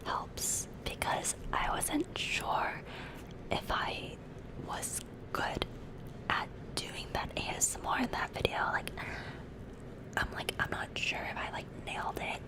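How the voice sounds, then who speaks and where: A woman hosting casual ASMR, whispering gently to her listeners. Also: takes it slowly, rough recording. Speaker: ASMR streamer and host. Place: dimly lit room indoors.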